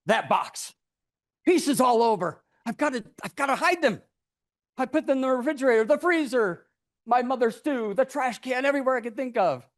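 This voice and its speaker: A man delivers a tall tale as a speech, with a very lively, swooping pitch. His delivery is deliberate and dramatic, built for storytelling, and he slips into acted voices along the way. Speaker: club storyteller giving a speech.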